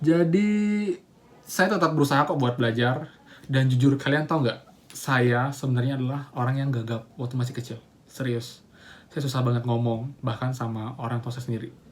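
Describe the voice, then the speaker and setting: A man speaks at medium pitch with ordinary pitch variation. His voice is somewhat breathy and his pace is fairly quick. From Bali, Buleleng (Singaraja). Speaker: YouTuber. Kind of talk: casual vlog talk to camera. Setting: on camera, face shown. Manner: fast.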